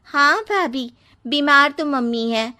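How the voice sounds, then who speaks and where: Woman doing cartoon younger sister, college girl, teasing, very high. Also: animated, slow, bright, forceful tone, full character voice. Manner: pert, teasing.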